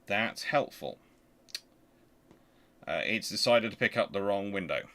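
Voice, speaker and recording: A man's voice: on the low side, lively intonation, a bit bright. Man thinking aloud as he explains. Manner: conversational, halting, muttering to himself while working. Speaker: history channel host.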